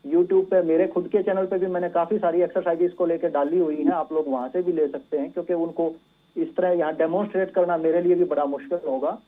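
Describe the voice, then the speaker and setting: High-pitched male doctor, thin phone-like sound. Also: steady tone, a little fast. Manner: patient, instructive, mixes English medical terms into speech. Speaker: doctor, physiotherapy expert guest. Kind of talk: explanatory medical advice on a live call-in show. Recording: thin phone-like band-limited line.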